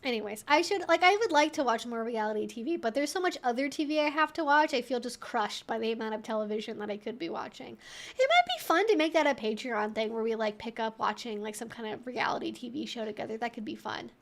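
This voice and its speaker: Female streamer, high voice, informal and rambling, casual Q&A chat delivery. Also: animated, quick pace. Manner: rambling, informal, frequent "like" and swearing. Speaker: livestream host.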